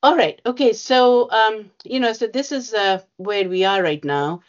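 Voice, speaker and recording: Over a video call, a union bargaining representative presents slides to a bargaining meeting, hesitating and filling her speech with fillers. Her voice sits on the high side and she speaks unhurriedly, with dull audio.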